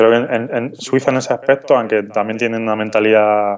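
Monotone, flat intonation with a Madrid accent. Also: man. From Spain, Madrid. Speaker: architect. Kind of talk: interview.

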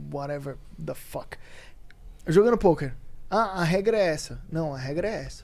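A man with a high pitch, big swings in loudness and long, frequent pauses at a moderate pace, in audible room echo. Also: ordinary pitch variation. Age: 30s. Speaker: finance YouTuber. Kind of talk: casual chat.

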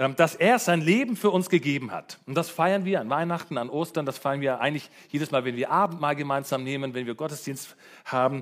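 On a very clean recording with a silent background, a man with an ordinary speaking voice speaks at a moderate pace, his fairly high pitch carried by lively intonation. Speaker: pastor. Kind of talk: sermon to a church congregation. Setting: church with a live congregation. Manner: conversational, asks the audience questions; informal, relaxed, with humour and filler words.

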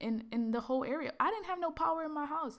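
Lively intonation marks this woman's speech. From Brooklyn, New York City (born in Trinidad). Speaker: podcast host. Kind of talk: casual solo monologue. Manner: relaxed, conversational.

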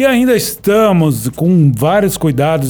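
Lively in intonation, a man speaks at a moderate pace in a dark, mellow tone. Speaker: podcast host. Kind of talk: casual podcast chat.

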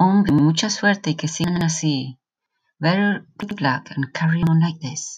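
A woman with a fairly low pitch and a somewhat breathy voice speaks at a fairly slow pace, using ordinary pitch variation. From Colombia. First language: Spanish. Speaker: language teacher. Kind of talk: language lesson.

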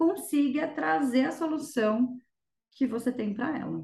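Speaking at a fairly slow pace, a woman has a high pitch. Her intonation is lively. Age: 30s. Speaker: civil engineer and franchise owner. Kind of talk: casual interview.

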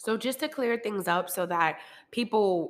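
An unremarkable speaking voice from a woman with an American accent, moderate pace, ordinary pitch variation, and a very clean recording with a silent background. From New York City, Harlem. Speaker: podcast host and singer. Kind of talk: casual interview chat.

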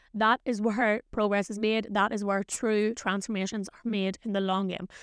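A woman with an unremarkable speaking voice talks at a medium pitch and fairly even intonation against a quiet background. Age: 30s. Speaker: fitness and mindset coach. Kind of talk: solo podcast monologue.

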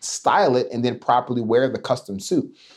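In a normal speaking voice, a man with an American accent talks at a medium pitch and a moderate pace. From Baltimore, US. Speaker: fashion entrepreneur and show producer. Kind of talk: casual chat.

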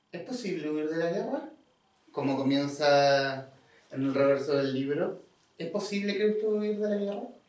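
A man talks fairly slowly in a high voice, his intonation lively. Room echo can be heard on the recording. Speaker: podcast host. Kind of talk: interview. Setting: live session with audience.

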